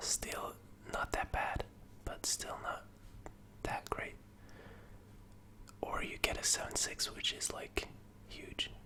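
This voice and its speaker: A whisper delivered at a very slow pace. Long, frequent pauses break it up over noticeable background noise. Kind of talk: ASMR gameplay commentary, whispered. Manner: whispered, soft, relaxing.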